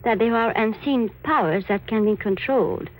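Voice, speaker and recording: A woman's voice: a little high, normal speed, close to an everyday voice. An actress playing a sinister, commanding supernatural woman, poised and taunting, in 1940s radio horror style. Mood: taunting menace. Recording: noisy old radio recording.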